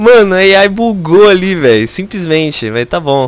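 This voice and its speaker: The speech moves at a very slow pace. The sound is dry, with no echo. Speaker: game streamer. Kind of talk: casual gameplay commentary. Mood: joking, amused.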